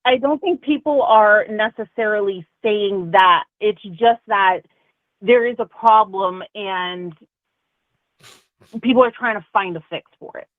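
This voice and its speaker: A woman's voice: mid-range voice, measured pace, dry recording. Woman calling in over a thin phone line. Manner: hesitant, full of restarts and "um", "like". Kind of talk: casual call-in talk.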